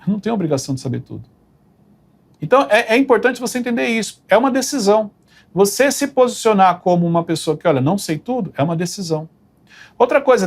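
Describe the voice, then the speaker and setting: A man giving a leadership lesson straight to the viewer, emphatic and full of rhetorical questions. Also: high voice. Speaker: leadership coach. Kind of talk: direct-to-camera leadership talk.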